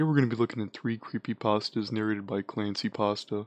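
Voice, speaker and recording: An ordinary speaking voice moves at a fairly quick pace, the sound dry and close with no echo over a quiet background. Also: man. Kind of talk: casual creepypasta review talk to camera.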